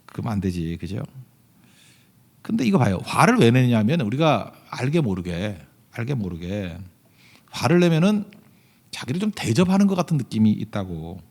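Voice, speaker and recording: This man is a pastor preaching in church, his tone chatty and full of rhetorical questions. His mid-range voice moves at a moderate pace with big pitch swings, jumping suddenly from forceful declarations to hushed asides.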